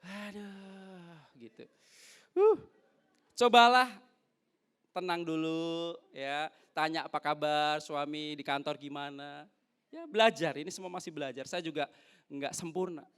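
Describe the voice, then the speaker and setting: Male pastor, high voice, lively sermon, acts out quick dialogues. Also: clean tone. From North Sulawesi, Indonesia. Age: young adult. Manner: lively, acts out little dialogues between husband and wife. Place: church.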